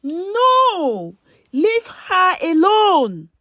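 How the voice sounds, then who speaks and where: A woman's voice: extremely high pitch, wildly swooping pitch, very slow, pushed and bright, dry recording, studio quality, pitched above the performer's own voice, heavily acted. Woman acting a bitter, envious young woman. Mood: screaming, desperate. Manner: hesitant, stammering when confronted. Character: bitter, envious young woman betraying her best friend.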